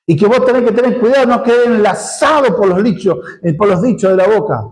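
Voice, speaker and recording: Man, Rioplatense accent, pastor, expository sermon, higher voice, rhetorical questions. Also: fairly quick, poor audio. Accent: Rioplatense Spanish. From Argentina. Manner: explanatory teaching, rhetorical questions, voice often rises and falls. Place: church.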